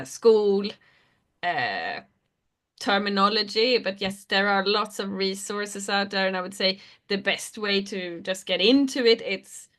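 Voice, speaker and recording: A woman's voice: medium pitch, fairly bright tone. A woman speaking as a designer on a live online panel, answering in a loose, chatty way that trails off between thoughts. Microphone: video call.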